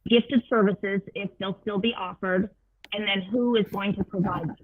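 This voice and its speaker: A man's voice: high voice, steady tone, slight background noise. A man reading out parent questions as moderator on a video call, his voice cutting in and out over a bad connection. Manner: reads questions haltingly in broken fragments. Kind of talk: online community meeting Q&A. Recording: tinny phone-like call line.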